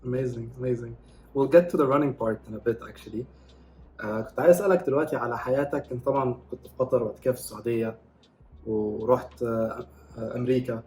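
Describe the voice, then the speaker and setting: Fast-talking podcast host, faint hiss. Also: male voice, mid-range voice, a little mellow. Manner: switches between English and Egyptian Arabic mid-interview. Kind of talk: casual interview.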